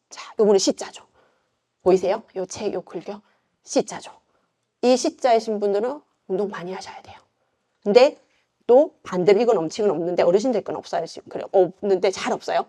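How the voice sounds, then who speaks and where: A middle-aged yoga instructor with a Gyeongsang accent gives an informal lecture in a medium-pitched, dark-toned voice. She's chatty and conversational, using frequent fillers and rhetorical questions.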